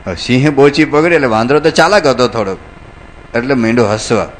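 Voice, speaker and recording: A male monk preacher giving a storytelling sermon, animated and acting out the characters. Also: mid-range voice, fast talker, slight background noise.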